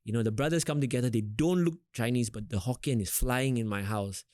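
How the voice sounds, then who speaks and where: A young adult man from Singapore with a Singaporean English accent, a rapper talking casually in an interview, relaxed and rambling with lots of fillers. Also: mid-range voice, brisk, no echo, studio quality.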